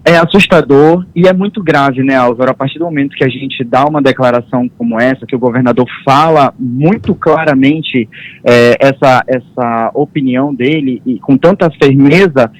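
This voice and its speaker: A man's voice: medium pitch, moderate pace, low-quality recording. A man commenting on politics on a news show, speaking firmly and stressing his points by repeating them. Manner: firm, emphatic and repetitive. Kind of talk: studio commentary.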